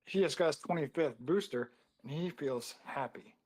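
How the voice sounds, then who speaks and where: A man who won a caption contest, giving a deadpan, sarcastic mock acceptance speech. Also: a little high, normal speed, husky. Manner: dry sarcastic humor. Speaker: contest winner guest.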